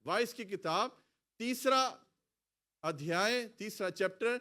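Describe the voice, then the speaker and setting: A male pastor preaching a sermon in a church hall, calling out lines for the congregation to repeat and swinging between loud exclamations and quiet asides. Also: high voice, lively intonation. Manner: preaching, has the congregation repeat phrases after him. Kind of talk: sermon with call-and-response.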